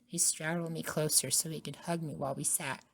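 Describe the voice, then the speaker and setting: A woman narrating a scripted first-person ASMR story in a soft-spoken way. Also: low voice, steady tone, fairly quick, slightly rough. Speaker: narrator and voice actor.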